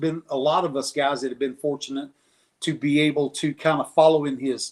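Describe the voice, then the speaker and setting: Recorded very cleanly against a silent background, a man with an American accent speaks at a moderate pace and fairly high pitch. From Central Texas (Brownwood). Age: 60s. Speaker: motorsport announcer and custom bike painter. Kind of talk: casual interview chat.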